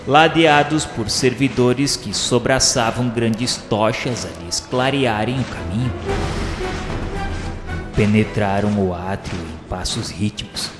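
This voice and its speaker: Radio drama narrator, male actor: solemn witness, mid-pitched, literary and grave, heavy reverb over music. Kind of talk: scripted first-person radio drama narration. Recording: long echoing reverb, music bed underneath.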